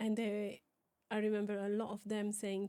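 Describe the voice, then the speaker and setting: A woman with a French accent speaks at a medium pitch in a dark, mellow tone. Her pace is moderate. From France, Paris. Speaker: local politician. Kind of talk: interview conversation. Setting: podcast recording. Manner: halting.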